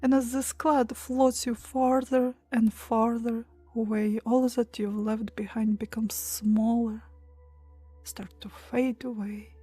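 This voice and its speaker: A woman leading a guided meditation in a soft, breathy, hushed and soothing voice, pausing between short phrases. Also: on the high side, no room sound. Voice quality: soft, breathy, near-whisper at times. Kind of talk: guided meditation, hypnotic relaxation countdown.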